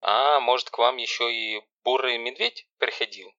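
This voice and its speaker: A man voicing a stern, sarcastic older sister who gives loud, harsh commands. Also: medium pitch, moderate pace, no room sound, natural voice. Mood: harsh commanding. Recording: dull lo-fi recording.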